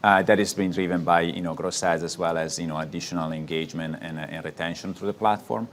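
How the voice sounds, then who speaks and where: A man's voice: low-pitched, fairly even intonation, quick pace, slight background noise. A man speaking as a finance executive, giving answers on an earnings call.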